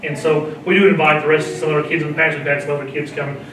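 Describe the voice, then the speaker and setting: A man, a county extension agent, giving halting informal remarks at a county meeting with many fillers and restarts. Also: a little high, flat delivery, a bit bright. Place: county commissioners courtroom. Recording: echoey room, distant mic, noisy.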